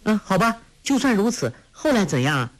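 A man voicing a clever, lively teenage girl who is pert and quick to argue, in a storybook reading. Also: high-pitched, voice pushed up. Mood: eager.

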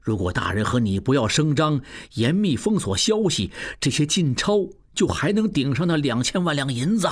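A man voicing a calm, cunning male county magistrate in an audiobook. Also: on the high side. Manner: calm, measured.

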